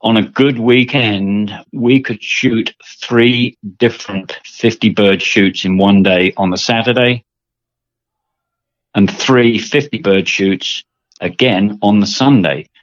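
A man's voice: fairly low pitch, takes it slowly, dry recording, muffled recording. An older man from England with an English accent, talking through his story as a guest with lots of fillers and repeated words. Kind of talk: casual interview.

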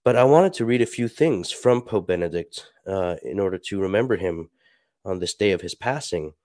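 Low, stuffy-sounding man speaking softly. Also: animated, dry recording, studio quality. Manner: soft-spoken, halting with many fillers. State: stuffy, a little sick. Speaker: podcast host. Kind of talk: reflective solo talk and reading aloud.

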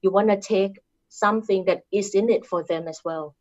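A Thai woman from Thailand, appearing as an interview guest, gives career advice earnestly and keeps repeating her points with tag questions like "right?". Her mid-range voice is a little mellow and moves at a normal speed, though the recording sounds muffled.

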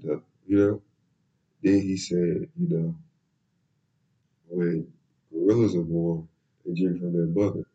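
A young man with a very low, dark voice talks in a loose, rambling way, sprinkling in slang. He sounds nasal and stuffed up from a cold. The audio is a bit dull and muffled. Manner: laid-back, rambling storytelling with slang. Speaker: podcast host. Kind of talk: casual solo podcast talk.

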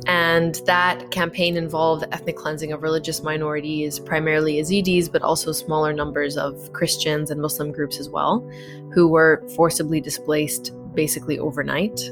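Low-voiced earnest woman professor. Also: flat delivery, moderate pace, music in the background. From Egypt. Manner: thoughtful, earnest, uses fillers like um and like. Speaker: political science professor. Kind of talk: interview answers.

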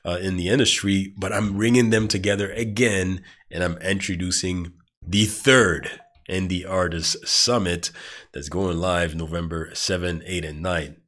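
A man with a very low, congested voice hosts his podcast alone. He rambles in a casual way, restarting sentences and leaning on fillers as he goes. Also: fairly even intonation, a little slow, a bit bright. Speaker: podcast host. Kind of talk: casual monologue.

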